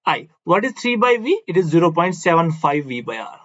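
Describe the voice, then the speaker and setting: A man's voice: on the high side, sing-song, a little fast, fairly bright tone, muffled recording. A man with a South Asian accent giving a classroom physics lecture, explaining step by step, repeating himself and adding question tags. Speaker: physics teacher.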